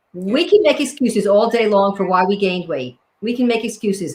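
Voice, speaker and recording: A woman with a normal speaking voice talks at a moderate pace and medium pitch. Her intonation is lively. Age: 60s. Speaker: productivity consultant and speaker. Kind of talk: interview.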